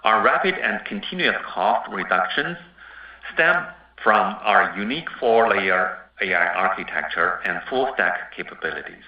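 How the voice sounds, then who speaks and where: A man's voice: lowish voice, animated, measured pace. Distant, echoey man reading formal corporate remarks. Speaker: company executive. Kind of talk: scripted earnings call presentation. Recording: dull, roomy, distant conference-call audio.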